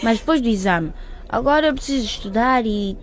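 A woman portrays an earnest teenage schoolgirl in a radio play. Her voice sits a little high, and she sounds conciliatory and slightly flustered. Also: expressive, a little fast, lightly acted. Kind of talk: radio drama acting.

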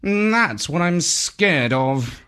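A man's voice: a little high, lively intonation, very slow, bright, forceful tone, voice pushed up, full character voice. Man as a snide, drawling pet tomcat. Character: rude, sardonic, cowardly male pet cat.

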